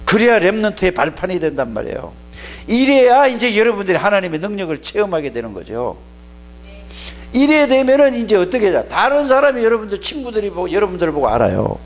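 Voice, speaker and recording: Animated male pastor preaching to youth. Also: sits high, fast, soft background music. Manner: animated, scolding, plain-spoken storytelling. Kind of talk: sermon to youth.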